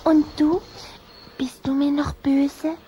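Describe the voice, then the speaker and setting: High, girlish little vampire girl. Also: flat delivery, takes it slowly, background noise. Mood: earnest, forgiving. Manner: playful, gossipy. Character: little vampire girl, chatty, teasing, a bit jealous. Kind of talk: children's radio play acting.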